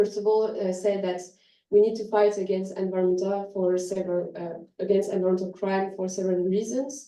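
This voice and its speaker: A woman speaks in a French accent at medium pitch with monotone, flat intonation. Audible room echo surrounds her voice. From France. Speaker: environmental policy advocate. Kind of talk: conference presentation. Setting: university conference hall with audience. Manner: hesitant, many fillers.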